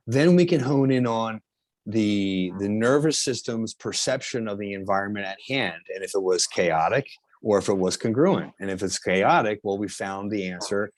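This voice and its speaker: A man's voice: lowish voice, no echo. Man with a South Jersey accent. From New Jersey. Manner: halting, with frequent restarts and fillers. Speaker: chiropractor and healer, guest. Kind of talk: casual interview explanation.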